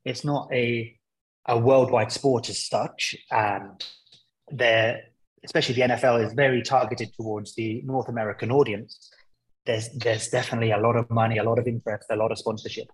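Male, football interview guest, explanatory, conversational, mid-pitched voice, hesitant phrasing, slightly husky. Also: steady tone, normal speed, low-quality recording.

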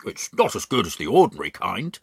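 A man's voice: lowish voice, huge pitch swings, a little fast, gravelly, a bit bright, husky, no room sound, clean studio sound, full character voice. A man reading a storybook aloud, voicing a grumpy, bearded old husband who grumbles and complains. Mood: grumbling.

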